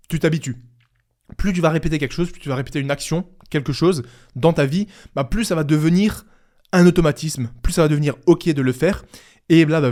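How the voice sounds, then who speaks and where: A man's voice: a little high, a little mellow. A young man hosting a solo podcast, giving advice in a chatty, conversational way, with fillers and restarts. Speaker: podcast host.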